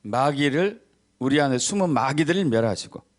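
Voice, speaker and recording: A middle-aged pastor preaches a sermon at normal speed with lively intonation. He emphasizes key words by repeating them low and acts out the voices of people in his stories.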